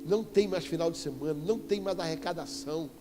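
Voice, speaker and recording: A man with a Brazilian Portuguese accent preaching a sermon as an apostle, telling a story with animated emphasis and sudden loud exclamations. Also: on the high side, fast talker, background noise. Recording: echoey church hall with faint music.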